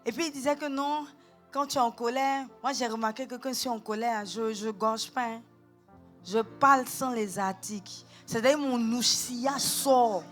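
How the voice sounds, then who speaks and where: A woman pastor with a Gabonese French accent, preaching a sermon and telling lively personal stories in a church. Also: fairly high pitch, normal speed, soft background music. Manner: animated, acts out quotes, switches between calm and shouting.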